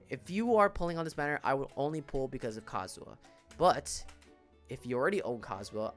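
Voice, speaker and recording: Casual man commentating over background music. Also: medium pitch. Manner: emphatic, repeats words for emphasis. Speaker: gaming video creator. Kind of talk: casual reaction commentary on game banners.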